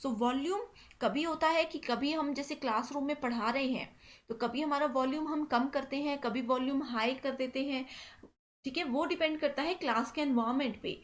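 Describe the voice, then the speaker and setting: Lady teacher going thru exam questions, pretty high voice, keeps saying theek hai. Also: normal speed. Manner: mixes English terms, frequent "theek hai" check-ins.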